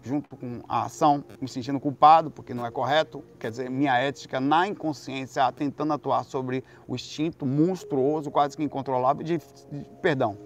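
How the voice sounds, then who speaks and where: In a brisk, steady mid-range voice, a Brazilian Portuguese–accented man spins out a lengthy, meandering tale. He swears without restraint and swings from quiet murmurs to loud bursts.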